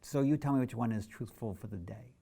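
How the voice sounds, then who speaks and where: Gravelly middle-aged man telling his story. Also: mid-range voice, a little fast, mellow. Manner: candid, storytelling, reflective. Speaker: photographer. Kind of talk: documentary interview narration.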